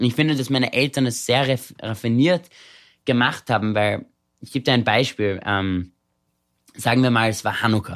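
On a very clean recording with a silent background, a man with a medium pitch speaks at a moderate pace with long, frequent pauses. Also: ordinary pitch variation. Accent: strong Viennese. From Austria, Vienna. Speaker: actor and stand-up comedian. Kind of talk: casual interview. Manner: halting.

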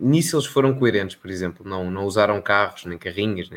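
A man's unremarkable speaking voice, fairly low in pitch, at a moderate pace, on a very clean recording with a silent background. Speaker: political podcast host. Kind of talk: casual political debate.

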